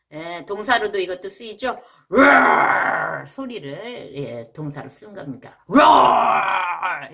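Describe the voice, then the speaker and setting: Slow lilting woman teaching animal sounds. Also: fairly low pitch, fairly bright tone. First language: Korean. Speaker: English teacher. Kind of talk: casual video lesson.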